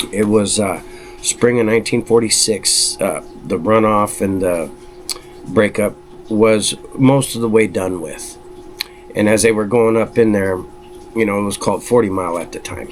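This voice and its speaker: Against noticeable background noise, a man at medium pitch talks at a fairly slow pace with fairly even intonation. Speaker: storyteller of sasquatch accounts. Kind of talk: storytelling monologue. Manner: halting, many fillers.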